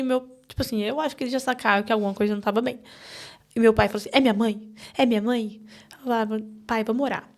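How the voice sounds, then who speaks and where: A Brazilian woman appearing as a podcast guest recounts a painful personal story, halting and emotional, restarting often. Her voice is a little high and creaky.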